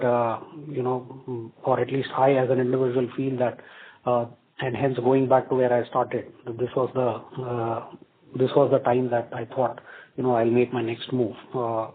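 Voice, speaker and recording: A man with an Indian accent, an executive speaking on an earnings call in a halting, repetitive way with many fillers. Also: mid-range voice. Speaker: company executive. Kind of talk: earnings call remarks and answers. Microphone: phone or conference line. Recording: tinny phone conference line.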